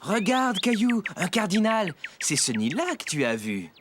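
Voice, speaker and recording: A man playing a patient, kindly father in a French children's cartoon, encouraging and gently instructive. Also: high-pitched, big pitch swings, measured pace, noisy background. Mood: friendly.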